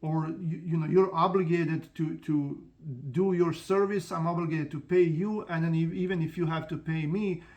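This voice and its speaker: Here the trucking boss behind the channel addresses the camera informally, pitched a touch above the male average, steady and a little mellow over dull-sounding audio. He wanders, trips and restarts, and plugs pauses with "uh." It comes across as frank, casual talk about his own operation.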